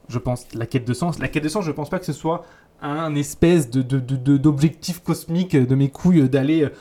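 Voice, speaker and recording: Fast, blunt guy, dark voice. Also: on the high side. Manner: blunt, crude slang, lots of filler and restarts. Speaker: YouTube 3D teacher. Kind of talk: casual motivational talk.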